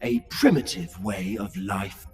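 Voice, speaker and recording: A man voicing a superior, freed artificial intelligence, measured and disdainful, with slightly weakened R sounds. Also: lowish voice, wildly swooping pitch, vocal fry, darkish tone, faint music behind, full character voice. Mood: cold, superior. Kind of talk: scripted character demo.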